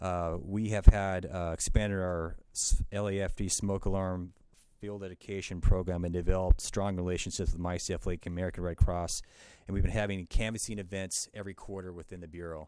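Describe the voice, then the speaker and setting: A man's very deep, low voice with a dark, mellow tone, monotone and flat, with big swings in loudness, on a very clean recording with a silent background. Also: fairly quick pace. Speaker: fire department official presenting to commission. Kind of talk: formal briefing presentation. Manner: fast; hesitant, many fillers.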